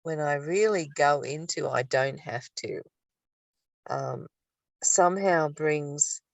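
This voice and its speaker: A woman's voice: deep voice, slow, vocal fry, dry recording. An older woman speaking reflectively in a spiritual study discussion, recorded at a distance from the microphone. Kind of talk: reading aloud and reflective discussion.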